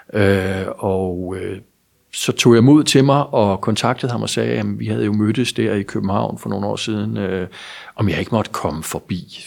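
Speaking at a fairly slow pace, a man with a fairly low pitch and ordinary pitch variation has an unremarkable speaking voice. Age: 60s. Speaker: author. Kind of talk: interview.

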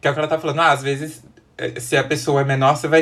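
A man with a fairly high pitch. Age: 30s. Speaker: content creator. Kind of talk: casual chat.

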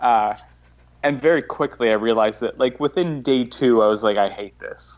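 With an American accent, a man speaks in a normal speaking voice at a medium pitch with ordinary pitch variation. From New York. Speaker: comedian. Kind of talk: casual chat. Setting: call from home. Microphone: clear call connection.

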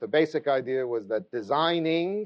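Moderate in pace with ordinary pitch variation, this is an ordinary speaking voice. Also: man. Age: 60s. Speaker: professor and book author. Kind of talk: book talk lecture.

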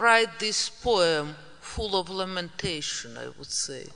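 Speaking with a Russian accent, a woman talks at a very slow pace. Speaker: poet. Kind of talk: talk to audience. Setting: stage with audience.

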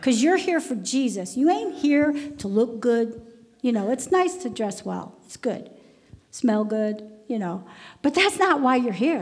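Fairly high in pitch, a woman speaks at a moderate pace with lively intonation. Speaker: guest preacher. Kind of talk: sermon. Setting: church. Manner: animated, fervent.

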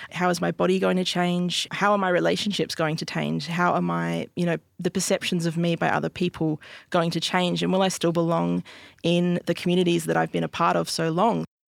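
Someone with an Australian accent talks at a fairly quick pace on a very clean recording with a silent background. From Western Australia (Albany). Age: 30s. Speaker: LGBTIQA+ advocate. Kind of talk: personal interview storytelling.

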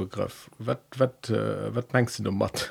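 There is vocal fry in this man's medium-pitched voice, which shows ordinary pitch variation. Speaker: podcast co-host, school teacher. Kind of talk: casual philosophical discussion. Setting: recording studio.

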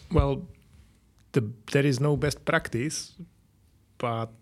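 In a very clean recording with a silent background, a man speaks at a moderate pace with fairly even intonation. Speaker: DevOps engineer. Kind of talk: casual interview. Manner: halting.

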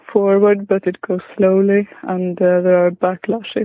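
In a Swedish accent, a woman speaks at a fairly slow pace with a medium pitch. Her intonation is monotone and flat. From Sweden. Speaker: patient and Lyme awareness founder. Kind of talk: interview, casual conversation. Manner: searching for words.

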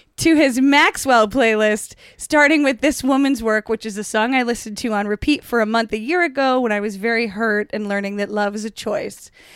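With an American accent and an ordinary speaking voice, a woman talks at a fairly high pitch and fairly quick pace, with ordinary pitch variation and hardly any pauses. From central New York. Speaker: comedian. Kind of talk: reading aloud. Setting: at home.

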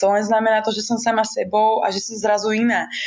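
A woman has an ordinary speaking voice, pitched fairly high. She talks at a fairly quick pace. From Slovakia, Trnava. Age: 20s. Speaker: rapper and singer. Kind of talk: interview.

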